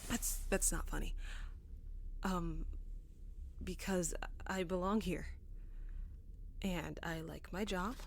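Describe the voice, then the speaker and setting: A woman's voice: fairly low pitch, steady tone, slow, gravelly, pauses often, a little hiss or hum. A woman playing a weary, sardonic, foul-mouthed space adventurer in naturalistic audio drama dialogue, wry and a little hesitant. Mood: rueful, confiding.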